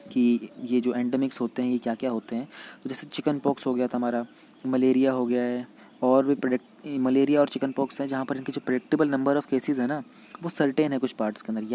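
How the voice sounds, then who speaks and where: Man teaching in mellow Hindi-English. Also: mid-range voice, slight background noise. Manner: explanatory, reads English passages slowly then explains in Hindi. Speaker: exam-prep teacher. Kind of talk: Hindi-English lecture explaining current affairs.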